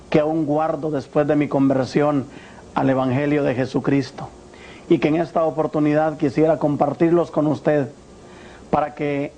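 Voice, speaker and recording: Earnest Guatemalan man, mellow voice. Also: on the high side, dull audio. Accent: Guatemalan Spanish. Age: 40s. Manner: earnest, measured, preacher-like address. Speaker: former priest giving testimony. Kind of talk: religious testimony.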